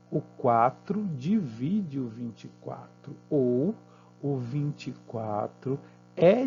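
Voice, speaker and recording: A Brazilian man teaching math, walking students through exercises patiently and checking in with quick tag questions. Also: medium pitch, darkish tone, lo-fi sound. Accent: Brazilian Portuguese.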